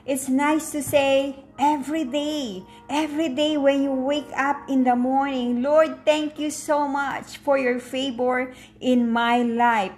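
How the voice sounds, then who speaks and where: Female vlogger, Filipino accent, fairly high pitch, casual and slow delivery to camera. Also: steady tone, darkish tone, faint music behind. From Philippines. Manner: repeats words for emphasis. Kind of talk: casual chat to viewers.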